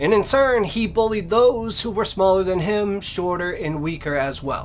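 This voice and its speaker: A man with a high pitch and ordinary pitch variation talks at a moderate speed while noticeable background noise plays behind him. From Massachusetts, south of Boston. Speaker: true crime storyteller. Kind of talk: storytelling narration.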